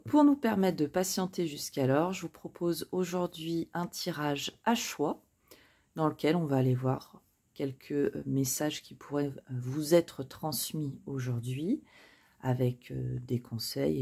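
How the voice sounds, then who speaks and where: A woman's voice: extremely low pitch, creaky, mellow, breathy edge. A woman chatting casually as she lays out tarot cards for her viewers, hesitating often and joking at her own expense. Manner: chatty, hesitant with frequent fillers, self-joking. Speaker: tarot card reader. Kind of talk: casual spoken card reading.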